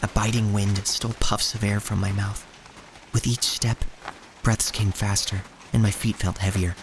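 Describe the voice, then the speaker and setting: A man playing a solemn narrator who tells of a poor street childhood in measured, scripted audio drama storytelling. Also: on the low side, flat delivery, background noise, close to an everyday voice. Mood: somber, measured. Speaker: first-person narrator. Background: music.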